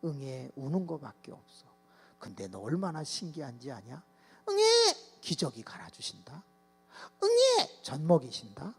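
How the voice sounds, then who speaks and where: A male pastor delivering a sermon, telling stories with lively energy and acting out children's voices and shouts. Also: mid-range voice, normal speed, creaky, husky. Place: church sanctuary. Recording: long hall reverb with mains hum.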